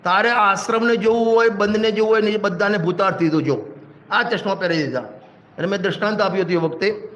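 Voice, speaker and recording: Speaking quickly in a high, somewhat bright voice, a man with a Gujarati accent preaches as a pandit in a religious hall. He urges his listeners on, asks them questions, and tells stories drawn from everyday life, all captured in dull audio.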